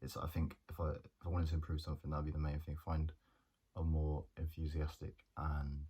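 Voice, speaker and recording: Deep husky young guy, monotone, kinda hesitant, lots of ums and restarts. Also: a little fast. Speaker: journalism student. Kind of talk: casual reflective monologue.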